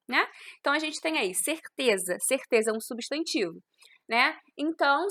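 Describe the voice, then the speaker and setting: A woman's voice: on the high side, fairly bright tone. A woman teaching a grammar lesson, explaining step by step and asking and answering her own questions.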